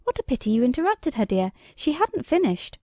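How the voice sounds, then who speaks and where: A woman's voice: high-pitched, big pitch swings, brisk, no echo, lo-fi sound, voice pushed up. Tender, coaxing storybook queen read by a woman. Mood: fond, surprised. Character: loving, tender fairy-tale queen and mother. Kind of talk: storybook character dialogue.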